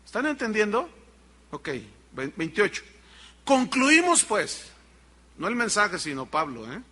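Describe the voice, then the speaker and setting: A man's voice: high voice, very animated, a little slow, bright, forceful tone, big-room sound. A man preaching a sermon as pastor, emphatic and firing rhetorical questions at the congregation.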